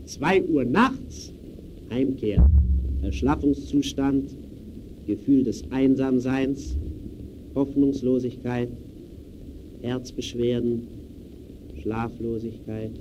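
An actor playing an impersonal official who declaims a case file in clipped phrases, in 1920s radio play style. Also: male voice, mid-range voice, slow, long pauses, close to an everyday voice. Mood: stark, grave. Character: clinical male official reading out a case file. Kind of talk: 1920s German radio play, staccato report. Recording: noisy early radio recording.

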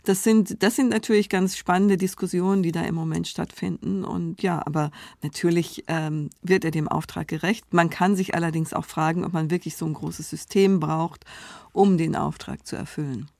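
A woman's voice: fairly low pitch, fairly even intonation, moderate pace, creaky, darkish tone, no room sound. A woman speaking as a media journalist in a panel discussion, thinking aloud and weighing her answers as she goes.

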